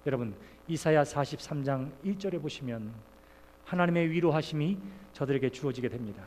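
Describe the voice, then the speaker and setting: A middle-aged pastor delivers a sermon in a church sanctuary with a long reverb trailing his words. His voice sits high for a man, and his earnest delivery swings between hushed confiding lines and loud exclamations. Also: lively intonation, brisk, a little hiss or hum.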